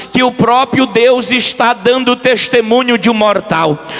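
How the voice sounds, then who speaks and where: Over music in the background, a man speaks very slowly in an extremely high pitch with ordinary pitch variation. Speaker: pastor. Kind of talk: sermon. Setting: church conference with PA system.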